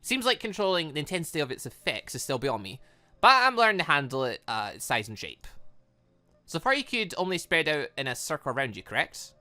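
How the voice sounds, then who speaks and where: Male gaming host, bright forceful voice, lively swings in pitch, close dry sound with faint music underneath. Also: brisk. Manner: excitable, animated, thinking aloud. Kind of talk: let's play commentary, reading game dialogue aloud.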